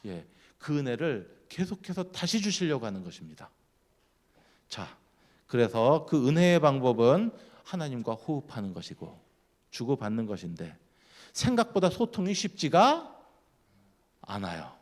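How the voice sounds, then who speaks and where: A man giving a sermon at a church, keeping it lively by putting questions to the congregation. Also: medium pitch, normal speed, long pauses. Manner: lively, keeps quizzing the congregation. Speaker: guest speaker at a church.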